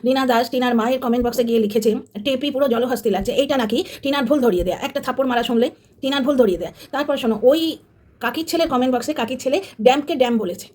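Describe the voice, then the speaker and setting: Fast, high-pitched combative woman commentator. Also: darkish tone. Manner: combative, sarcastic, addresses viewers directly. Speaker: commentary channel host. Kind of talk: opinionated commentary monologue.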